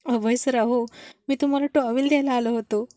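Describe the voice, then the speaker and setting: A timid male household servant who answers meekly and apologetically, voiced by a woman. The voice is mellow and fairly high. It is recorded dry and close for a storybook. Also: steady tone, brisk, no room sound, lightly acted. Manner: meek, apologetic.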